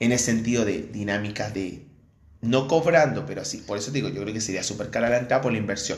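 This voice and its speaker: Words come at a very fast pace with ordinary pitch variation, and the room echo is audible. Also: man, medium pitch for a man. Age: 30s. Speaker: cosplayer and party-goer. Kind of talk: casual chat.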